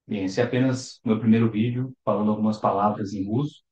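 A young adult Brazilian man, a psychologist, calmly explaining to the camera from his living room sofa. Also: lowish voice, fast talker, echoey room, low-quality recording. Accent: Brazilian Portuguese. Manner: calm, explanatory, gestures with his hands. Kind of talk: to-camera talk.

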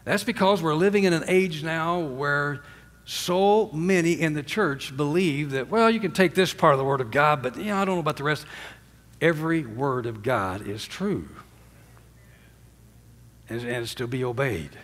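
An older pastor delivers a sermon from the stage of a large church sanctuary with a drum kit behind him, speaking at a normal pace. His emphatic style swings between loud peaks and low, hushed endings, and he calls on the congregation for amens. A long hall reverb fills the recording.

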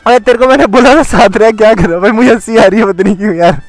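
A man motovlogging outdoors by a road, talking excitedly to camera and laughing often. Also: high-pitched, fast talker, dry recording, faint music behind. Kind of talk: casual outdoor vlog talk to camera.

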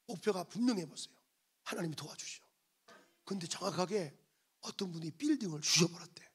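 A man's voice: high voice, animated, fast talker, fairly bright tone, breathy edge. A male pastor preaching a sermon, emphatic and repetitive as he prods the congregation for answers and amens. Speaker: senior pastor. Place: church sanctuary.

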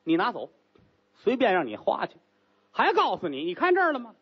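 A man's voice: high voice, huge pitch swings, a little fast, slightly rough, dull audio, pitched above the performer's own voice, heavily acted. A man doing a cool, imperious rich woman. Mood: stern, commanding. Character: haughty rich young concubine, woman, commanding.

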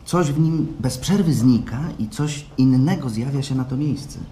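An actor in a radio play playing a weary, reflective client, polite and quietly bitter, speaking in a measured way. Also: male voice, mid-range voice, natural voice. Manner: measured, reserved, thoughtful. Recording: faint background noise, live stage.

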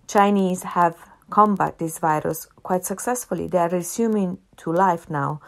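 A woman with an Italian accent hosting a solo podcast, talking earnestly and repeating phrases for emphasis. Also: on the low side. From half Italian, family in Italy. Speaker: podcast host.

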